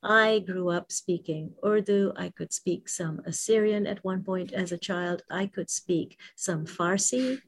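A woman's voice: fairly low pitch, measured pace, few pauses. A woman co-hosting a casual panel chat, talking in a reflective, emphatic way. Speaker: co-host.

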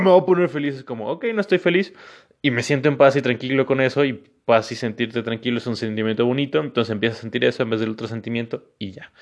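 A man's voice: medium pitch, creaky. A man hosting a casual solo podcast, talking in an easygoing, rambling, encouraging way. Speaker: podcast host. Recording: dull lo-fi sound.

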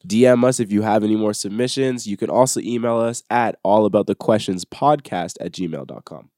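A man's voice: fairly low pitch, fairly quick, mellow, dry recording, clean studio sound. Laid-back joking male podcast host. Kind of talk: casual podcast chat.

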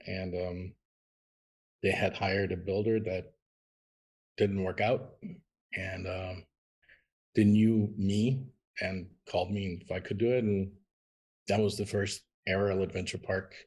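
A man's voice: low-pitched, flat delivery, takes it slowly, pauses often, a little mellow. A middle-aged man from Austria, telling his story as a podcast guest in an earnest, rambling way with many ums. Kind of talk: interview conversation.

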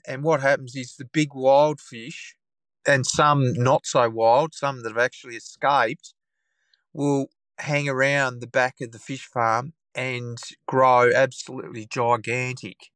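Croaky Australian man with a cold. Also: medium pitch, a bit bright, dry recording. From Tasmania, Australia. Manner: rambling explanations with many restarts and fillers. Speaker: guest taxidermist. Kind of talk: casual podcast chat.

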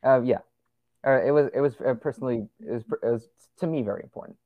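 A man's voice: medium pitch, fast, no echo, phone-quality sound. A young man as a podcast guest, chatting casually and rambling with lots of fillers and restarts. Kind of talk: casual conversational interview.

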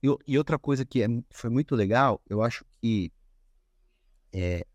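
A man speaking as a podcast guest, easygoing and chatty, stumbling over his words and starting again as he tells his stories. His voice sits at a middle pitch for a man and comes across dry and close to the mic. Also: moderate pace, no echo. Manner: relaxed storytelling with many restarts and filler. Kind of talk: casual conversation.

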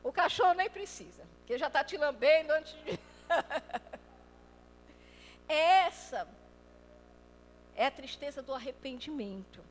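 A woman preaching a lively sermon. She acts out quoted voices and swings between loud and soft. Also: high-pitched, slow, pauses often, in a large hall, slight background noise.

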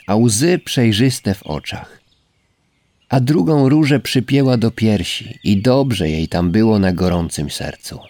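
A man voicing a gentle, humble female rose in a storybook reading, speaking softly and tenderly, in a voice raised well above his own. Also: on the low side, full character voice. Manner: soft, wondering, tender. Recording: faint background music.

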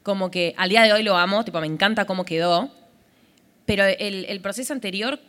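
Bright-voiced Argentine woman podcaster. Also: mid-range voice, fairly quick, smooth. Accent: Rioplatense Spanish. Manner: rambling, full of fillers like tipo. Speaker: podcast host. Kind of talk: live podcast chat on stage. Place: festival stage before a live audience.

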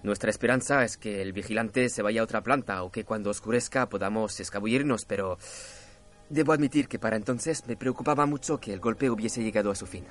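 A man dubbing a calm, determined young man leading a daring stunt, who also narrates the story. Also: on the low side, fairly quick, soft background music, natural voice. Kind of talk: Spanish film dub.

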